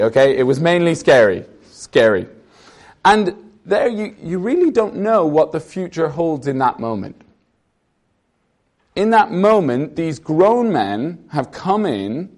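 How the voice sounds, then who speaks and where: An Irish man in early adulthood preaches with an earnest, conversational manner. He moves between reading scripture and telling personal stories. His voice sits a little higher than most men's. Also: a little mellow. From Ireland. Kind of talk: sermon.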